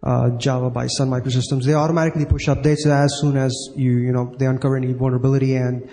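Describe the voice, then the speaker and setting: A man's voice: mid-range voice, flat delivery, fast talker, mellow. A young man co-presenting a technical conference talk at a podium mic in a large hall, explaining casually with many fillers. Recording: echoey hall, faint noise.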